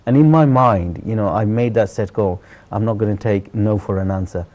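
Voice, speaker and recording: A celebrity chef from Sylhet, Bangladesh, is being interviewed, telling personal stories conversationally at a moderate pace. His voice is mellow and fairly low.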